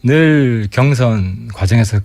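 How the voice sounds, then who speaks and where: Man, lawmaker guest, radio interview, pointed commentary, animated pitch, dry studio sound. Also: slow pace, gravelly, no room sound. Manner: pointed, sharp-tongued political commentary. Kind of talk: radio current-affairs interview.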